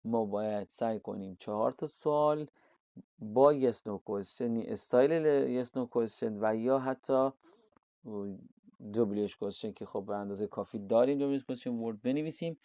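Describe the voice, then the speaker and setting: Brief: male IELTS tutor, Persian accent, mellow low timbre, deliberate English read-alouds, dry close recording. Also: no room sound. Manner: reads English examples slowly, explains in Persian. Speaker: English teacher. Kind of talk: IELTS lesson walkthrough.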